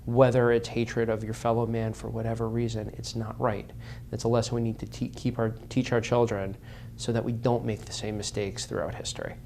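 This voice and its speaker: Male guest, mid-pitched, impassioned advocate, repeats for emphasis, faint hiss. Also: little pitch movement, a little fast, gravelly, darkish tone. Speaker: interview guest. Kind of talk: earnest advocacy interview.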